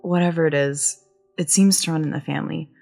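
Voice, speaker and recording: A woman's voice: low-pitched, fairly even intonation, brisk, vocal fry, dark tone, faint music behind. A woman playing a stubborn, wry young searcher in an audio drama, guarded and battered. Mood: weary, wry.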